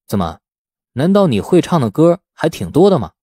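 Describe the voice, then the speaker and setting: A man's voice: a little high, big pitch swings, normal speed, mellow, dry recording, studio quality, pitched above the performer's own voice. A man voicing an easygoing, righteous young man in an audiobook, speaking conversationally and encouragingly. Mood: teasing.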